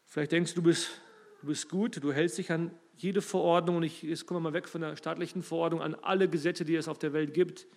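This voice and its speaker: A man preaching a sermon, emphatic and rising and falling in loudness, speaking straight to his listeners. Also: fairly high pitch, fairly even intonation, brisk, creaky.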